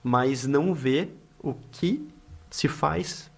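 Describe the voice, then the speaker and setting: On a casual podcast he hosts, a middle-aged lawyer with a Brazilian accent speaks extremely slowly in a slightly high, creaky voice. He keeps things chatty, restarting often and leaning on filler tags.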